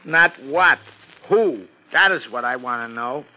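Anxious, piercing New York lowbrow husband. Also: male voice, lively intonation, a little slow, bright, forceful tone, low-quality recording. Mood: agitated, insistent. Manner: slangy tough-guy street talk with mangled grammar. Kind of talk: 1950s radio drama acting.

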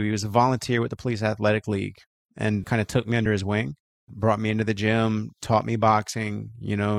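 Male guest from Florida, lowish voice, relaxed rambling storyteller, dry sound. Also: gravelly, dry recording. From Florida, USA. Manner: relaxed, frequent "you know" and "right?". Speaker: guest, co-founder of a voting rights group. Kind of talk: casual personal storytelling.

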